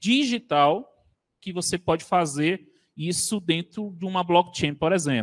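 Against a quiet background, a man speaks with a high pitch and lively intonation. His pace is fairly slow. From Brazil, Fortaleza (Ceará); Ceará, Brazil. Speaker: tech conference speaker, IT innovation coordinator; conference speaker. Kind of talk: conference talk; lecture. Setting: stage with live audience. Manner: casual, filler-heavy (né, aí). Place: stage.

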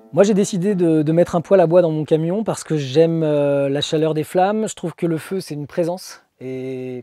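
Against a quiet background with a dry sound and no echo, a man with a fairly high pitch and a dark, mellow tone speaks at a moderate pace, using ordinary pitch variation and big swings in loudness. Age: 40s. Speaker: photographer living in a van. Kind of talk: casual interview and van tour. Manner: hesitant with repetitions. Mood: calm, warm, enthusiastic. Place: bus. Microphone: lapel.

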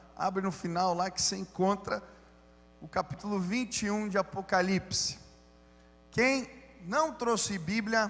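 A man's high-pitched voice at a moderate pace, with ordinary pitch variation and music in the background. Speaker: youth pastor. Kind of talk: sermon. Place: church. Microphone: handheld.

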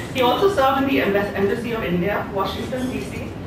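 A woman's voice comes through noticeable background noise and audible room echo. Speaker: event host introducing the speaker. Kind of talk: formal introduction. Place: hall. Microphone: podium.

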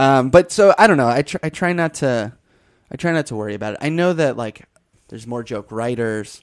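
Heard on a very clean recording with a silent background, a man with an American accent and a normal speaking voice talks at a fairly quick pace, his intonation lively and his loudness swinging widely. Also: medium pitch for a man. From New York, Westchester. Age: 20s. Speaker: comedy writer. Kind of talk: casual chat.

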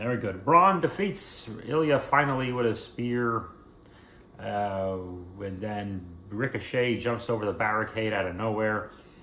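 Over light background noise and audible room echo, a man with a fairly low pitch speaks at a fairly slow pace with ordinary pitch variation. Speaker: wrestling commentator vlogger. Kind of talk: casual commentary review. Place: home room. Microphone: phone near.

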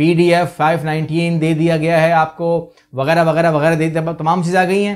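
This man speaks with a fairly high pitch. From Pakistan. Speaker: visa consultant and video host; video host. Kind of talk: tutorial walkthrough of official website. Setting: screen recording video. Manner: repetitive and conversational. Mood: argumentative, rebutting critics. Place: studio.

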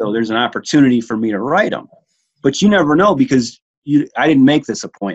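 A man with an American accent speaks at a fairly quick pace. His intonation is lively, and the background is quiet. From Detroit, Michigan. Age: 40s. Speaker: Medicare insurance advisor. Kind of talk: casual chat. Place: home room. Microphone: webcam.

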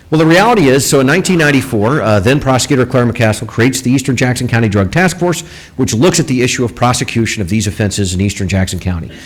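Over noticeable background noise, a man talks very fast. He speaks with an American accent. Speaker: county official presenting to city council. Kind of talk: public presentation. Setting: city council meeting.

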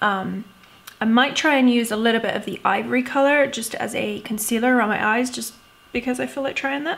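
The delivery moves at a fairly quick pace with fairly even intonation. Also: woman, fairly high pitch for a woman. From England. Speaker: beauty vlogger. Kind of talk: casual talk to camera. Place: home room.

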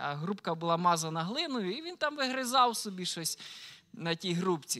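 Against a quiet background, a man with a high voice and a bright, sharp tone projects at a moderate pace. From Ukraine, Vinnytsia region; Ukraine. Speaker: pastor. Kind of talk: sermon. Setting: church. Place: church. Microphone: handheld.

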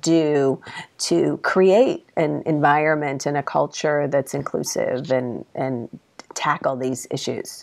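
Against a quiet background, a woman speaks at a very slow pace with a very deep, low pitch. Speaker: talk show host. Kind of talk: interview. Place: home room.

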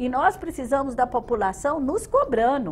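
A woman's high-pitched voice with lively intonation at a fairly slow pace, over light background noise. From Minas Gerais, Brazil. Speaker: state legislator; guest. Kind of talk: TV interview. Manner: halting, many fillers. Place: studio. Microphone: lapel.

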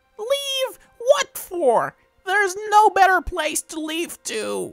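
An extremely high, squeaky cartoonish character voice talks at a very slow pace. Faint music plays in the background. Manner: gleeful, scheming.

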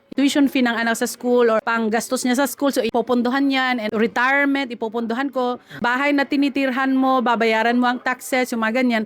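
Through noticeable background noise, a woman talks at a fairly quick pace with hardly any pauses, a high pitch, fairly even intonation and very even loudness. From Philippines. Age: 40s. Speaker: Filipino community leader in Korea. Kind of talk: interview.

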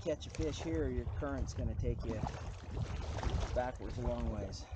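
Loud background noise fills the clip, and the sound is dry with no echo. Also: man. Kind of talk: casual vlog chat. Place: waterside. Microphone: phone near.

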